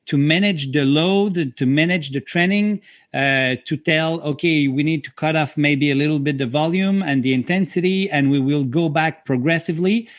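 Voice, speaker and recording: A man from Quebec with a French Canadian accent, a physiotherapist speaking English as a second language in a podcast interview, halting and searching for words. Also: on the high side, no echo. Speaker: physiotherapist guest.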